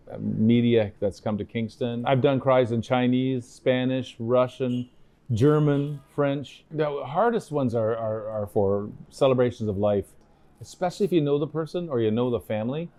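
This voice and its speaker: An older Canadian man talks casually in an interview, with a mellow, relaxed voice at a medium pitch. He rambles through his memories, circling back over his phrases. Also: normal speed. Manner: rambling, repeats phrases as he recalls. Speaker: town crier being interviewed.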